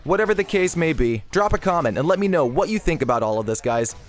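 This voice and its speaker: A man's voice: fairly high pitch, lively intonation, fast, soft background music. A man presenting scripted video game news commentary as the host of an online channel.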